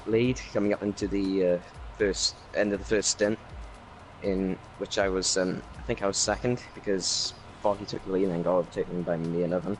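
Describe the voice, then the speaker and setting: A Welsh man with a fairly low voice, recounting a race in a relaxed online interview. He rambles, leaning on ums and uhs, and quickens as the story builds. Faint music sits underneath. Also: rough recording. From Wales. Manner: rambling, lots of fillers, quickens when excited. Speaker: racing league driver. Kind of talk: casual post-race interview.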